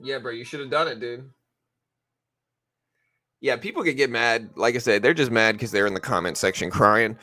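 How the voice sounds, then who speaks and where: A man's voice: mid-range voice, normal speed, long pauses, bright, forceful tone. A man hosting a casual early-morning livestream, tired and just woken up, talking in a laid-back, rambling way. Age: adult with a daughter. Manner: laid-back, rambling, says bro and you know a lot. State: just woke up, tired, voice deeper than usual. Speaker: livestream trading host. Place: home in Texas.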